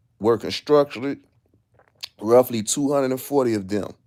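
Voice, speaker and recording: A man with a Chicago accent speaks at a medium pitch with fairly even intonation and a dark, mellow tone. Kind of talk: street slang. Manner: casual, slangy banter.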